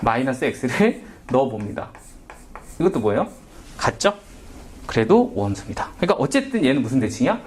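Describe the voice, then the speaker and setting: A man's voice: mid-range voice, very animated, fairly quick, pauses often. A man teaching a math lesson in a casual, questioning way, often asking and answering himself. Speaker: math tutor. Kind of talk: whiteboard math lecture.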